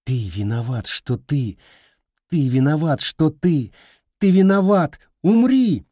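A man voicing a hot-tempered village boy who yells in a strained voice. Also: lowish voice, steady tone, normal speed, slightly rough, no echo, clean studio sound. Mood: furious. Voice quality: strained, yelling.

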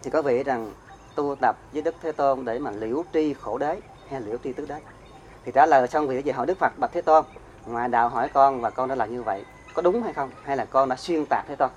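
A monk moves briskly through a dharma talk, explaining terms in turn, reciting verse, and asking the audience questions he then answers himself. He speaks at a medium pitch, with slight background noise.

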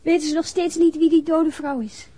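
Actress as curious daughter, soft casual questions, mellow tone, slightly high, naturalistic radio play. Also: female voice, flat delivery, normal speed, no echo, close to an everyday voice. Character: curious daughter of a detective at home. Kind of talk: naturalistic radio drama acting.

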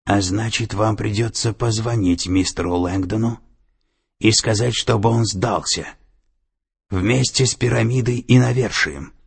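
A man's voice: lowish voice, unhurried, gravelly, slightly rough, pitched above the performer's own voice, heavily acted. A man voicing a cold, domineering female security director, with an icy, commanding and menacing manner. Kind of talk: audiobook character voice.

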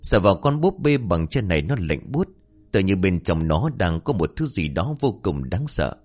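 A man narrating a horror story dramatically, swinging between tense and hushed delivery. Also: low-pitched, big pitch swings, moderate pace.

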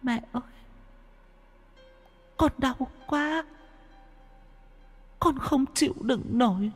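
A faint, whimpering child ghost. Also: male voice, a bit bright, long reverb tail, exaggerated voice. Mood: pleading. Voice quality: thin, faint, high whimpering voice.

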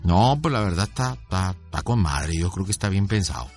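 A man's voice: sits low, animated, brisk, slightly rough, faint music behind, pitched below the performer's own voice. A man with a Mexican accent playing a slangy, pushy used-car dealer on a prank phone call. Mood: friendly prying. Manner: chummy, slangy, pushy questioning. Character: smooth-talking male used-car dealer, adult.

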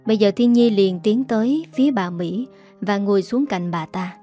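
A woman narrating a dramatic audio story in a steady storytelling manner. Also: mid-range voice, normal speed, faint music behind.

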